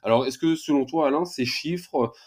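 A man hosting a radio show, reading out figures in a measured, clear way. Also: on the high side, darkish tone. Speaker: radio host.

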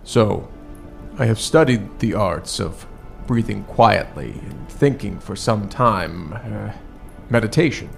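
Guy telling an rpg tale in character, gravelly, expressive pitch, kinda formal n halting. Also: faint music behind. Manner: formal, measured, halting wording. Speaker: player in a tabletop roleplaying game. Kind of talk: improvised in-character storytelling.

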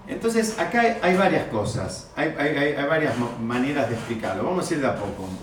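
A man's voice: mid-range voice, very animated, a little fast. Man teaching in an echoey room. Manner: explanatory, asks the class rhetorical questions. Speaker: Torah teacher. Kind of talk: teaching a class. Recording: very echoey room, distant mic, faint noise.

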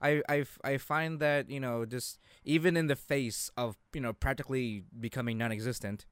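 Halting young man co-hosting, in a dry recording. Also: medium pitch, fairly even intonation, smooth, dry recording. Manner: halting, repeats words as he searches for phrases. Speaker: co-host of an anime discussion show. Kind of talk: casual chat.

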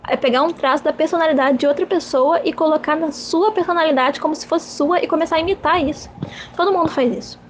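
A woman's voice: sits high, a little hiss or hum. A young woman hosting her own podcast, musing and rambling in a self-mocking, repetitive way. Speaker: podcast host. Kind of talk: casual rambling monologue.

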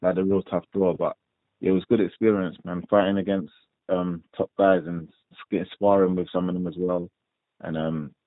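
A young London man, a professional boxer, answers interview questions in a laid-back, rambling style packed with fillers. His London-accented voice sits low with flat delivery at a moderate pace. The recording is dry, coming over a tinny phone line.

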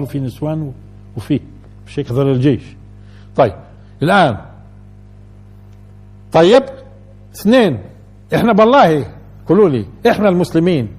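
A man gives a colloquial lesson on scripture, talking quickly in a fairly high, husky voice. He keeps turning to his listeners with rhetorical questions. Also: a little mellow. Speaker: religious teacher.

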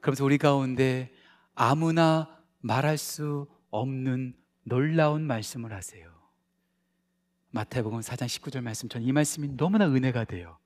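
A man pastor preaching a sermon, animated, moving between loud emphatic lines and soft confiding asides, often asking the congregation questions. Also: mid-range voice, moderate pace. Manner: conversational, asks the congregation questions.

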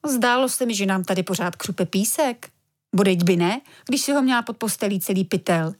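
Woman playing a no-nonsense scolding mom, husky tone, storybook reading. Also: medium pitch, natural voice. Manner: brisk and scolding. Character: scolding practical mother, grown woman.

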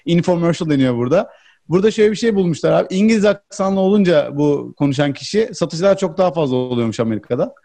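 Fast-talking animated man. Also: on the high side, creaky. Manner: animated, rambling explanations. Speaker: guest. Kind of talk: casual group chat.

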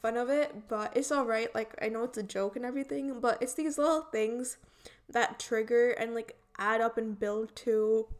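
She is a young adult woman from India, and a light Indian accent colours some of her words. She rambles in a relaxed, chatty way, with "like" in nearly every phrase. Her voice sits a bit high for a woman. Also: normal speed. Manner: chatty, filler-heavy, many "like"s and restarts. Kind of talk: casual personal chat.

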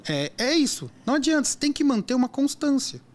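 Brief: male driver, casual storyteller, quick and very animated. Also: very high voice. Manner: animated storyteller, acts out quotes. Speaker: app driver. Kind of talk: casual chat.

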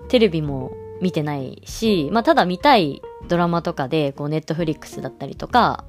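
A woman's voice: deep voice, expressive, moderate pace, a little mellow, soft background music. A young woman hosting a casual solo podcast, chatting loosely with many fillers and frequent little laughs. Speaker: podcast host.

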